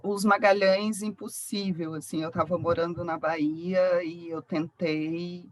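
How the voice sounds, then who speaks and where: Woman from brasília pitching a book idea, lively, dry call audio. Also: measured pace, no echo. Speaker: student pitching a book project. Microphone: video call.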